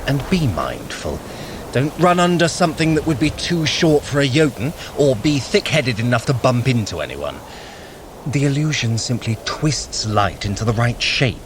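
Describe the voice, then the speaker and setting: A man's voice: medium pitch, big pitch swings, normal speed, noisy background, lightly acted. An actor playing a sly, scheming male trickster god in an audio drama, wry and commanding. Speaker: Loki.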